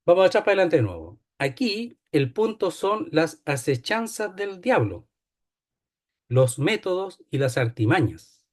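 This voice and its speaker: A man's voice: a little high, very animated, unhurried. Man teaching a Bible study. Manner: explanatory, repeats key phrases, asks "¿ya?".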